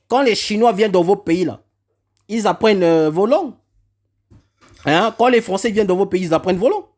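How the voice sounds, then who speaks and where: Brief: vlogger, male, high pitched, heated repetitive rant. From Congo. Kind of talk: angry rant to camera.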